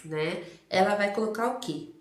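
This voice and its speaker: A woman's voice: mid-range voice, moderate pace. A Brazilian woman teacher giving a lecture, explaining step by step, asking rhetorical questions and answering them, and stretching words out to stress their sounds. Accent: Brazilian Portuguese. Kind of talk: recorded lecture on early literacy. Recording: roomy, echoey recording.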